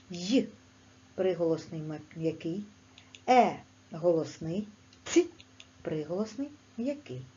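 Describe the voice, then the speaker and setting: Ukrainian woman teacher for kids' lesson; mellow voice, lively pitch, lo-fi sound. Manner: slow, clear, sing-song teacher talk with lively pitch. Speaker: primary school teacher. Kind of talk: online language lesson for children.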